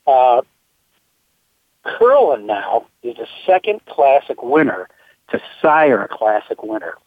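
A radio host talking horse racing with a slightly hoarse voice, halting often with uh between phrases and getting enthusiastic about winners. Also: male voice, medium pitch, sing-song, no room sound. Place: at home on a farm. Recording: tinny dry phone line.

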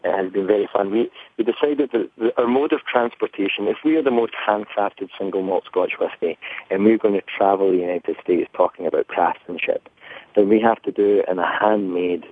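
A man with a broad Scottish accent speaks as an interview guest in an earnest, conversational way. His voice is on the low side. It comes through a tinny, narrow phone line with a dry sound. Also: brisk, dry recording. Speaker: interview guest, brand representative. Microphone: telephone.

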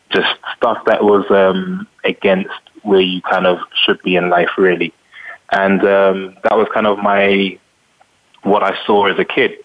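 A middle-aged man with a London accent, a retired soccer player, answering interview questions in a measured way with many pauses. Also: low-pitched, lo-fi sound. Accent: London English. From England.

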